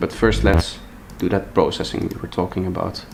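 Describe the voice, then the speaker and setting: A man with a Dutch accent at a moderate pace. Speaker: music producer streamer. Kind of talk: live stream tutorial. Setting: live stream.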